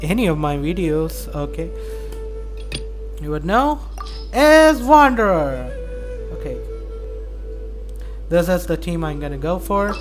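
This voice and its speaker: A streamer comments casually on gameplay in a mid-pitched voice. The talk is informal thinking aloud, with game music clearly playing behind it. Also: big pitch swings, slow, pauses often.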